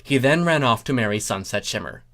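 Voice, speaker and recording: A man's voice: mid-range voice, lively intonation, brisk, a bit bright. A man reading a comic story theatrically, in a wry, informal manner with dramatic delivery and offhand asides. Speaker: reader of comic fan fiction.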